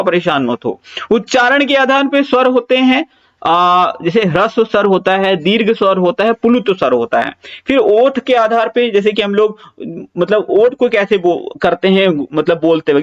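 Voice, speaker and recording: A man's voice: sits high, lively intonation, normal speed, muffled recording. A male teacher giving an exam-prep lecture, repeating key points, asking and answering his own questions, and drawing out vowel sounds to demonstrate them.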